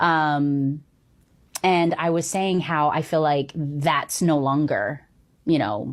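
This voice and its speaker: Very deep and low in pitch, a woman speaks very slowly with very even loudness and ordinary pitch variation, the recording very clean with a silent background. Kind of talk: panel discussion.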